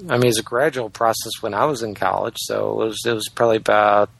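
A man's voice: fairly low pitch, steady tone, fast talker, creaky, fairly bright tone, dry recording. A man co-hosting a casual chat, rambling through his points with many fillers.

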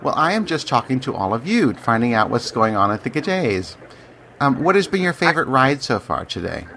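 A man hosting a podcast, his voice sitting in a middle pitch. He chats loosely with callers on the line and laughs readily at their jokes, with a faint hiss behind him. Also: big pitch swings, brisk, gravelly, sharp tone. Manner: chatty, laughs easily at the jokes. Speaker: podcast host. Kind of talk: casual call-in chat.

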